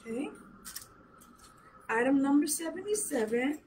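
A middle-aged woman with a hoarse voice, chatting casually as she shows jewelry to a webcam in a small room. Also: sits high, lively intonation, darkish tone, slight background noise. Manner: chatty, slow, showing items up close. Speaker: jewelry seller. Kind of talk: live sales show chat. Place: small decorated room indoors. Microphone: webcam at arm's length.

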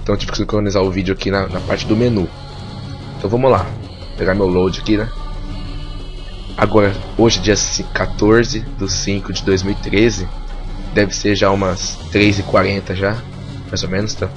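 A man's voice: low voice, flat delivery, moderate pace, music in the background. A Brazilian man giving casual gameplay commentary in a strained voice, as if his tonsils are swollen and his throat inflamed. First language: Portuguese. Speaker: gamer narrating a let's play.

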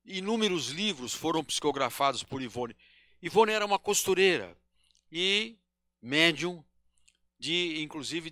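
A man in his sixties from Brazil gives a devotional lecture at a podium in a small hall, talking slowly and haltingly with pauses and self-corrections into a handheld microphone. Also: on the high side, sharp tone, clean studio sound. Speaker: spiritist lecturer.

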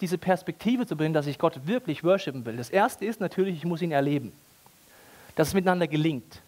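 A man preaching a sermon in German, joking and acting out little scenes in other voices. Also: high voice. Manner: animated, jokey, acts out scenes in voices. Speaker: pastor. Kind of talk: lively sermon.

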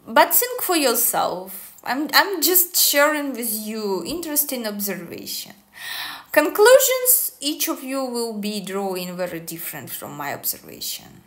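A woman, talking casually to the camera in deliberate, halting English. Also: on the high side, very animated. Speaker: online esoteric coach. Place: small indoor room, seated at a table.

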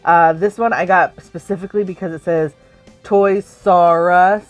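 Excitable woman co-host, 30s, giggly collector chat, faint music behind. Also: on the low side, measured pace. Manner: excitable, giggly, squeals when surprised. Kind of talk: casual chat. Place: home collection room with shelves.

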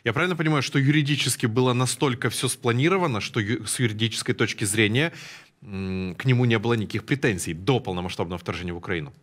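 A man's voice: mid-range voice, fast, fairly bright tone. A man presenting live television news, asking a guest careful, formal questions. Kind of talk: live TV interview. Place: TV studio.

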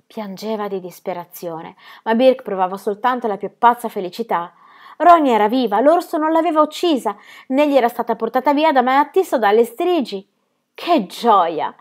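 A woman reading a children's story aloud, measured and expressive, with hushed, sad passages. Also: a little high. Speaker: narrator.

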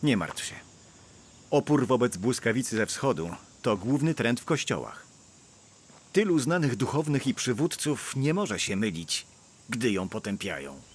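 A man's voice: medium pitch, measured pace, husky. A middle-aged man dubbing the role of a scheming church elder, speaking persuasively in a film. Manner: persuasive, reassuring, lively intonation. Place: outdoors in a park, then indoors at a church meeting.

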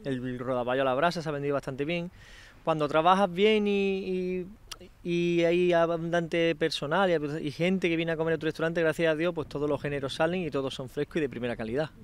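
Easygoing chef with a smooth voice. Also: male voice, a little high, steady tone, fairly quick. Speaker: chef and restaurant owner. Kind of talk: casual interview. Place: outdoor garden of a restaurant. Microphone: handheld microphone.

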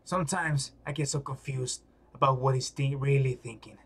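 A man's voice: medium pitch, steady tone, moderate pace, a bit bright, slightly rough. A man voicing a weary, brooding, bitter man from a comic in a subdued way. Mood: brooding, resentful.

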